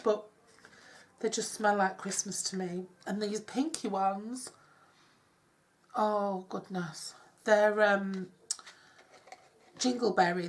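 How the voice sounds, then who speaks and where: A woman's voice: mid-range voice, a little hiss or hum. Chatty woman with a cold. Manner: rambling, self-deprecating, drops to soft asides. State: congested with a cold. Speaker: craft tutorial host. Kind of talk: chatty step-by-step craft demonstration. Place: home craft table. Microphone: overhead camera on hands, speaker off-screen.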